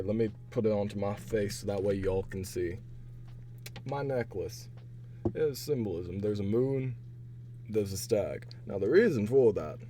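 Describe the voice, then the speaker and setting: A young man streams casual chat while taking online quizzes, rambling and laughing to himself. His voice is hoarse and raspy, partly gone, lowish and dark in tone. There's slight background noise.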